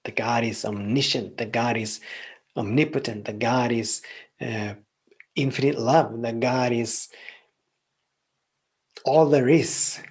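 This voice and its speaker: A man whose first language is Swedish, hosting a podcast and calmly giving a reflective spiritual teaching monologue, often repeating phrases in long lists. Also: mid-range voice, slow pace, pauses often, breathy edge. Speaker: podcast host.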